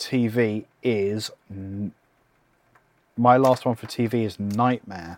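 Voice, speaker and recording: A man with an English accent talks at a very slow pace, stopping often for long pauses, with fairly even intonation in a dry, close recording that has no echo. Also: fairly low pitch for a man. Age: 30s. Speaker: podcast host. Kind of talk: casual chat. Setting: livestream, remote call.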